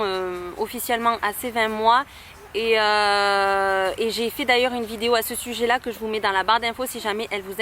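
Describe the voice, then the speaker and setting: A young woman from Toulouse chats through viewer questions in a fairly high voice. She hesitates often and fills pauses with little sounds. Faint street noise hums behind her outdoors. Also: sharp tone. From Toulouse, France. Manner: hesitant, many fillers. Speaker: YouTuber. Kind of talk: casual Q&A vlog.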